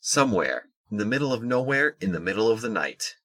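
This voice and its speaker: A man narrating a scripted audio drama in a measured, descriptive storytelling manner. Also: fairly low pitch, big pitch swings, fairly bright tone, no echo.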